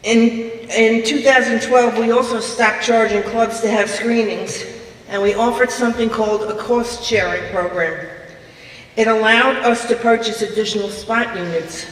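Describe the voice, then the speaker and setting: A woman's voice: a little high, fairly even intonation, moderate pace. An older woman with a Brooklyn accent giving a prepared speech to a club meeting. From Brooklyn, New York. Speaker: guest speaker, club officer. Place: large echoey meeting room, live audience. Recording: distant mic, echoey hall, noisy room.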